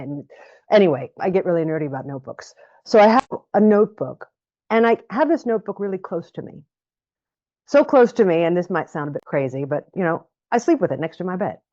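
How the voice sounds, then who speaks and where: A woman speaking as an interview guest, reflective and expressive, often repeating words as she thinks. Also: fairly low pitch. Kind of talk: interview conversation. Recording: muffled lo-fi recording.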